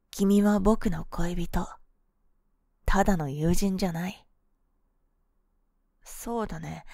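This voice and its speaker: Speaking soft, breathy and coaxing close to a dry microphone, a woman voices a cool, boyish young woman, a possessive and sweetly manipulative lover, in an ASMR role-play of intimate pillow talk. Her voice is lowish, and there's no room sound.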